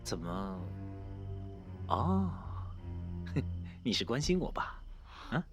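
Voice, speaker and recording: Police detective: self-assured, probing, very varied pitch, period TV drama with faint score. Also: male voice, big pitch swings, extremely slow, over music, exaggerated voice. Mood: teasing, probing. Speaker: actor playing a police detective. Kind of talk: Chinese period TV drama acting.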